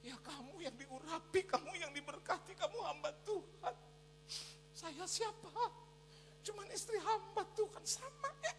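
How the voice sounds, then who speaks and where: A man putting on his tearful high-voiced wife. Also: measured pace, creaky, full character voice. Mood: humble, tearful. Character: pastor's tearful, humble adult wife. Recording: echoey hall with steady hum.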